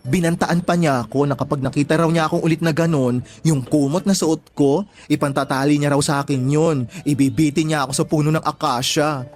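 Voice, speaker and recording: A man's voice: on the high side, steady tone, a little fast, close to an everyday voice. A man with a Filipino accent playing a campy, sassy young gay man in an audio drama, talking in theatrical casual slang. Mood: dramatic, sassy. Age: young adult.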